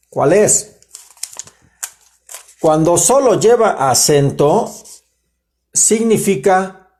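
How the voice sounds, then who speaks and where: Mexican male writer, relaxed animated explainer, casual livestream lesson with asides. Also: a little high. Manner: animated, chatty, self-interrupting with asides to viewers. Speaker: writer giving a live grammar talk.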